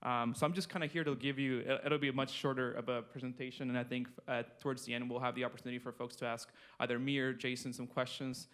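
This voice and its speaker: A young man from Mexico gives a conference talk about his census work. He speaks in a flat, level tone, with frequent ums and restarts. His humour is light and self-deprecating. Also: mid-range voice, fast, hardly any pauses. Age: 20s. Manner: conversational, many fillers and restarts, self-deprecating. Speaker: state census project manager presenting. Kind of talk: conference presentation. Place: conference room.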